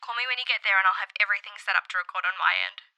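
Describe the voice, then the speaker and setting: An actress playing a brisk, teasing podcast co-host in an audio drama, with a casual, dry manner. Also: female voice, medium pitch, vocal fry, sharp tone, dry recording. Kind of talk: naturalistic audio drama dialogue.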